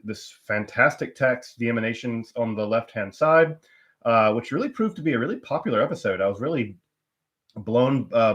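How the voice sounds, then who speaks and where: A man's voice: mid-range voice, a bit bright, dull audio. A man hosting his own live stream, talking casually with lots of fillers and restarts while stuffed up with a cold. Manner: rambling, many fillers and restarts. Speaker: channel host.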